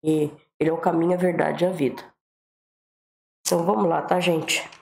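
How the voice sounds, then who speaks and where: A woman's voice: low-pitched, steady tone, brisk, gravelly, darkish tone, reverberant. A Brazilian woman with a flu-congested, swollen-throat voice, giving a devotional talk and Bible reading.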